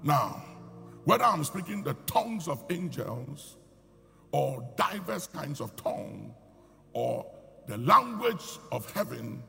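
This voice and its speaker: A male preacher delivers an emphatic sermon in a gravelly, bright voice that sits a little high. His words ring out in a big hall with a long reverb. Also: big pitch swings, slow, slight background noise.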